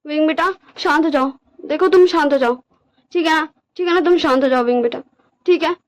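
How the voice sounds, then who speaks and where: A woman voicing a motherly older woman calmly soothing a distraught young man. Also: sits high, brisk, voice pushed up, natural voice. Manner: calm, soothing, repetitive. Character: soothing middle-aged mother figure.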